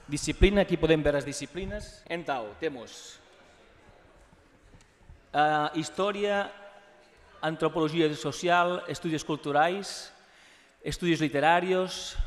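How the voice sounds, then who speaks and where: A man with a Catalan accent presents at an academic conference, his voice pitched a little above the usual. He stops and restarts often and slides between languages as he goes. The sound carries a long reverb from a university hall. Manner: halting, many fillers and restarts, drifting between languages.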